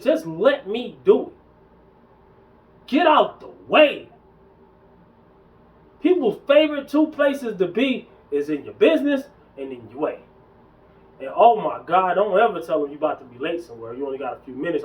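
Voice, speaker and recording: A man's voice: very high voice, distant mic, rough recording. A man in his early forties delivering an emphatic, slangy rant to camera about gym culture and lifting, repeating himself for emphasis. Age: 40s. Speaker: fitness vlogger. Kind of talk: casual ranting monologue.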